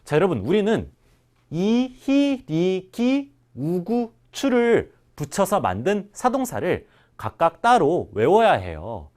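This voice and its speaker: A man teaching a language class, drilling example words slowly and clearly for his students. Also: high-pitched, very animated, a little mellow. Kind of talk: classroom lesson.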